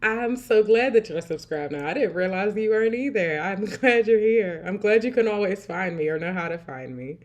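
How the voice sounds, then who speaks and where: A woman hosting a casual livestream, chatting warmly, laughing often and reading out viewer comments. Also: mid-range voice, expressive, normal speed, hardly any pauses, highs cut off. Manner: warm, chatty, laughs often, repeats "I love it". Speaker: livestream host.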